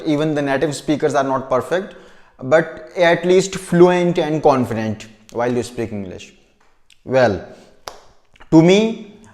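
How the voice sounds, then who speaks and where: Guy whose first languages are pashto and urdu, talks slow and earnest in english, keeps asking himself questions. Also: on the high side, darkish tone. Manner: earnest, asks rhetorical questions and repeats points for emphasis. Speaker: vlogger. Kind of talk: unscripted monologue giving advice.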